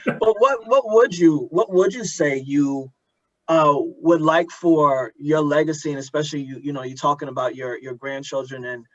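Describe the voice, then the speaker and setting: A middle-aged man with an American accent hosting an interview, thoughtful and halting as he gradually builds his questions, on a dull, lo-fi recording. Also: fairly high pitch, fairly bright tone. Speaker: interviewer, host. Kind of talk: conversational interview.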